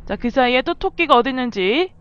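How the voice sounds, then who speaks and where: High-voiced woman chatting through a game. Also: lively intonation, a little fast, smooth, highs cut off. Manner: chatty, talks to her game animals. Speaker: game streamer. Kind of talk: casual let's-play commentary.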